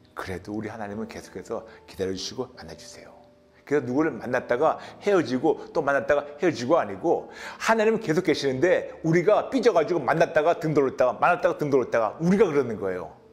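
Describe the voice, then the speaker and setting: Over background music, a man with a fairly high pitch talks at a very fast pace, his pitch swinging very widely and his loudness rising and falling a lot. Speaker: pastor. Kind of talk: Q&A teaching talk to online viewers. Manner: animated.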